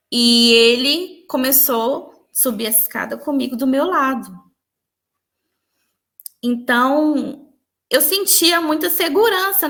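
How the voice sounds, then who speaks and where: A young woman tells her story in a high voice, speaking earnestly and softly. She sounds like an interview guest recounting a deeply personal experience. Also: gravelly. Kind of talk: emotional personal testimony.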